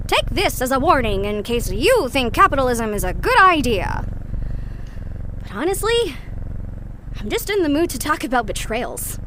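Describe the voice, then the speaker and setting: Bitter, animated, high-voiced sardonic woman. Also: a little hiss or hum, exaggerated voice. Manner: sarcastic, conversational, mock-dramatic asides. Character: bitter sardonic woman ranting about corporate history. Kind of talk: sardonic monologue in a sci-fi audio drama.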